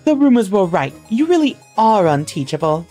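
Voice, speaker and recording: A woman voicing a proud spinster governess who speaks in sharp, affronted, clipped lines. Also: medium pitch, big pitch swings, moderate pace, soft background music, voice pushed up, natural voice. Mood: indignant.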